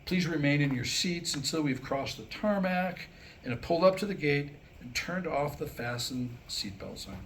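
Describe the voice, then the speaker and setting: At a live staged script reading in a room, a man tells Jewish jokes to a small gathering, acting out the dialogue as a storyteller. His voice is fairly high-pitched and expressive, at a normal speed. The live room recording is noisy.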